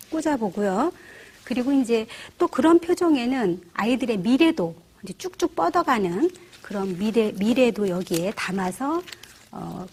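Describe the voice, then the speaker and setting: A middle-aged woman teaching church flower arranging, explaining each step gently and often asking the viewer rhetorical questions. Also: a little high, slight background noise. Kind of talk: instructional demonstration.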